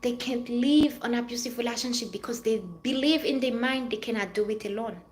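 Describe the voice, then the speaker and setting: A woman's voice: on the high side, fairly quick, a little hiss or hum. Earnest woman with a Haitian-French accent. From Haiti or France. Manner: earnest, preachy, repeats phrases for emphasis. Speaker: vlogger giving life advice. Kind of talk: motivational monologue.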